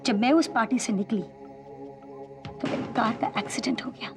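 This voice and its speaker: An actress in a TV melodrama playing a bitter woman who makes deliberate, dramatic accusations. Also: mid-range voice, very animated. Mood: anguished, bitter. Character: bitter, accusing woman blaming a rival for her brother's death. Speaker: actor in a TV serial. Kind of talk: Hindi TV melodrama acting. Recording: TV drama with prominent background music.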